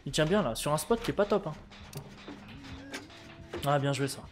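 A man's voice: a little high, expressive, normal speed, over music. A French man streaming a game, chatting casually and reading his viewers' chat with wry humor. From France.

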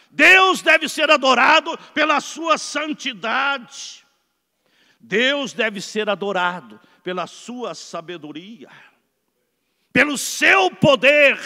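A fervent Brazilian pastor in his sixties preaches from the pulpit, his voice riding very high and ringing bright. He swings from loud shouted refrains to hushed low lines. The sound carries a long church reverb. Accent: Brazilian Portuguese. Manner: preaching with swelling shouts and quiet drops. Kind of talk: Pentecostal sermon. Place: large church sanctuary at a pulpit. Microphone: pulpit microphone.

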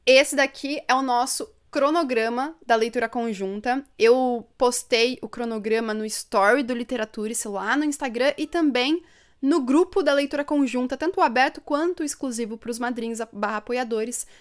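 Upbeat young woman, smooth voice. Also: a little high, moderate pace. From São Paulo state, Brazil. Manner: chatty and upbeat, laughs often, reads viewer comments aloud. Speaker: book channel host. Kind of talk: live stream chat with viewers. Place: home room with bookshelves, indoors. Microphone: desk microphone in front.

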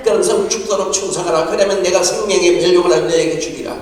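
Pastor guy with a high voice, preaching from far off in a big echoey church. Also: steady tone, fast. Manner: storytelling with laughter and quoted exchanges. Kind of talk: sermon. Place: church sanctuary. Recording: distant mic in a large echoing church hall.

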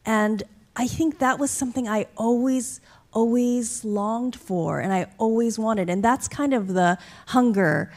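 A woman's voice: a little high, a little slow. Reflective middle-aged woman author on stage. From upstate New York. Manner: reflective, earnest, animated when quoting others. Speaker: author guest. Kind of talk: onstage conversation. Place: stage with curtain backdrop, library event. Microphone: mic on a stand.

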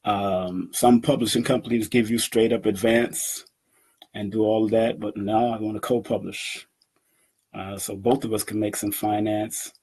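A man in his fifties talking to his webcam from a room at home, animated and boastful, laughing often as he addresses his community. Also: fairly low pitch, unhurried, husky. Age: 50s. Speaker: event organizer and numerology teacher. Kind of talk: casual talk to camera. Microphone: webcam at desk.

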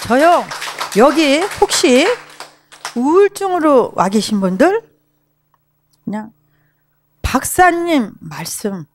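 A woman in her sixties giving a personal recovery testimony to a group, telling her story in an emotional, animated way. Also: high-pitched, takes it slowly, pauses often. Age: 60s. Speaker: program participant giving a testimony.

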